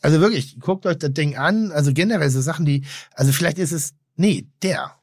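A man's voice: a little high, a little fast, no echo, studio quality. A man co-hosting a casual podcast, rambling and effusive, often trailing off and restarting his sentences.

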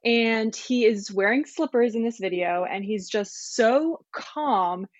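A woman's voice: on the high side, takes it slowly, no echo, highs cut off. A woman telling a story casually as a panellist on a roundtable.

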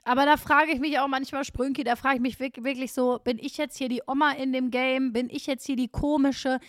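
Female podcast co-host, high voice, blunt and animated, dry studio sound. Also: fairly quick, no room sound. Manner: animated, outspoken, laughs often. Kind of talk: casual chat.

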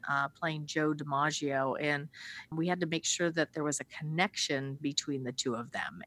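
Low-voiced woman chatting on a podcast. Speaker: podcast co-host. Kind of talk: casual chat.

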